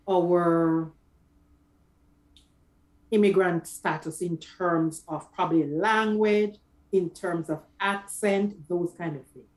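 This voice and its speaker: A middle-aged woman speaking as a guest career coach on a video call, giving conversational advice in a deliberate, emphatic way. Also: mid-range voice, darkish tone, rough recording. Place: small office, indoors.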